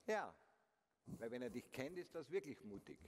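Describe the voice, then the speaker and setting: Speaking at a normal pace with big pitch swings, this man's medium-pitched voice is slightly mellow. He's a keynote speaker on a large concert hall stage, giving a motivational talk full of rhetorical questions aimed straight at the audience, and the recording has long hall reverb and faint noise.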